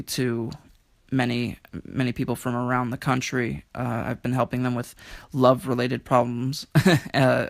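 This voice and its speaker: A man's voice: medium pitch, vocal fry, dry recording, studio quality. A man speaking in an earnest, reflective way as a guest poet. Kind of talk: earnest conversational talk and poetry reading.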